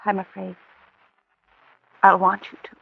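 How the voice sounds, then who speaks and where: A woman's voice: medium pitch, monotone, a little slow, vocal fry, heavy background noise. An actress playing an anxious young woman with a guilty secret, narrating and speaking in hesitant 1940s radio drama style. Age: young adult. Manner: hesitant, breathless, guilt-ridden. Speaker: narrator and lead character. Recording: dull lo-fi old radio recording with music.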